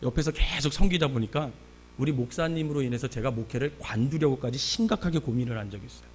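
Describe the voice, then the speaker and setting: A male pastor preaching a sermon, telling a personal story with sudden loud bursts and quiet asides. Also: medium pitch, fast talker, a little hiss or hum.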